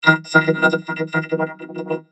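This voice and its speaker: A man's voice: on the high side, monotone, normal speed, bright, forceful tone, far from the mic, faint music behind. A man speaking through a robotic vocoder effect, playing a droning robot announcer for his game stream. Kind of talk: slow monotone robot announcing.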